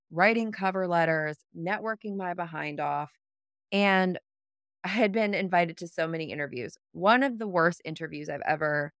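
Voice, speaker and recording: A woman giving career advice as a vlog host, speaking in an upbeat, tidy, organized way with a clear, smooth voice. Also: on the low side, a bit bright, dry recording, studio quality. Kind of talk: scripted-sounding advice vlog to listeners.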